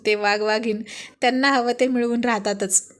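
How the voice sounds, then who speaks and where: A woman's voice: a little high, steady tone, normal speed. Woman narrating a romance serial. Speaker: storyteller.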